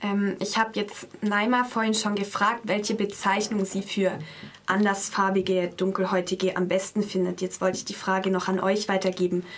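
A woman's voice: mid-range voice, level tone, normal speed. A woman interviewing two guests, asking questions casually with frequent fillers.

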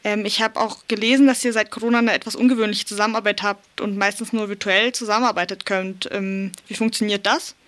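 A woman's voice: medium pitch, steady tone, a little fast, few pauses, fairly bright tone. Curious woman interviewer. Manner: curious, asks open questions. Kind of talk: interview questions.

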